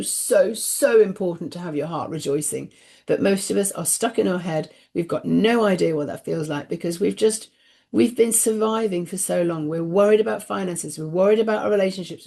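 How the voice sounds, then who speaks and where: A woman with a deep, gravelly voice offers spiritual guidance while reading oracle cards. Her tone is dark and mellow, and she speaks softly and without hurry. She circles back over the same phrases again and again. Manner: soft, unhurried and repetitive, dwelling on phrases. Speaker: host and oracle card reader.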